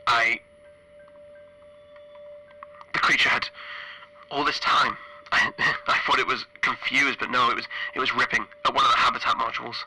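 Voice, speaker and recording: A man playing a frightened, stranded spaceship engineer recording an audio log for a horror roleplay, halting and stammering through a radio filter. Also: mid-range voice, steady tone, pushed and bright, slightly rough, rough recording. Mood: panicked, dread. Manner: halting, stammering, anxious repetitions. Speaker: solo tabletop roleplayer.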